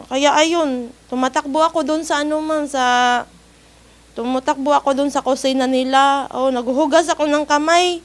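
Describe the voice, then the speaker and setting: A woman's voice: sits high, fairly even intonation, normal speed. A woman, an overseas worker, earnestly and politely recounting a personal ordeal in an interview, with nervous laughs. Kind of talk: personal story told in an interview.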